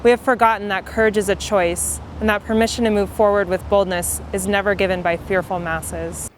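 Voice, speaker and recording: Woman, medium pitch, scripted motivational reading, slight outside noise. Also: fairly even intonation, brisk, rough recording. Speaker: reader.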